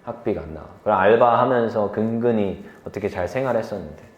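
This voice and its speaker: A young man preaching a sermon to a youth group, telling stories from his life in a lively way, laughing easily and asking the listeners questions. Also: fairly low pitch, echoey room, dull audio. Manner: lively storytelling, quick to laugh; asks the listeners questions directly.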